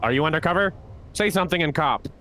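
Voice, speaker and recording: Game cop performed by a man: officious, pretentious, mock-authoritative and silly, lively swings in pitch, faint music behind. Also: quick pace. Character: goofy male cops, officious and artistically pretentious.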